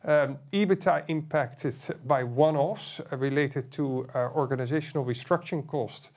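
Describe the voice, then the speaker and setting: A man presenting an earnings call as chief executive, in halting corporate phrasing. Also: a little high, darkish tone.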